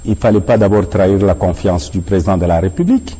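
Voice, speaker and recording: Deep dark man in an echoey hall. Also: fast talker, slightly rough. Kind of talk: formal public statement.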